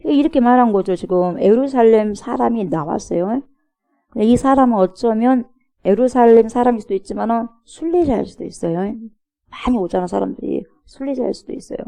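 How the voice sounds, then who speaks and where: A woman pastor gives an early-morning sermon in a church, her voice very dark and mellow with a gravelly edge. She speaks in a conversational way, posing rhetorical questions to the congregation. She slips into the voices of the crowd to act out their words. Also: a little high, brisk.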